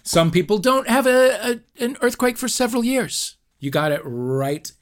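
A man's voice: very high-pitched, expressive, moderate pace. A man hosting a comedy panel podcast, moving between mock-grand announcements and dry, playful asides. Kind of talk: comic game show hosting.

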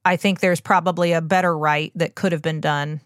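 A woman with a slightly low voice talks as a podcast host and doctor. She explains conversationally and earnestly, with informal, emphatic asides. The sound is dry. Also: fairly even intonation, fairly quick, no echo.

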